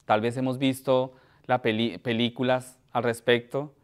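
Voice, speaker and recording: A man preaching in a church, reading a scripture passage aloud and then explaining it with frequent pauses and restarts. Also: mid-range voice, little pitch movement, clear, resonant tone. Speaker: pastor.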